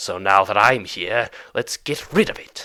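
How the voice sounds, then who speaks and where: Growling in a put-on character voice, the speaker keeps a moderate pace with big swings in loudness. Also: man. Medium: read story. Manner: snarling, crude.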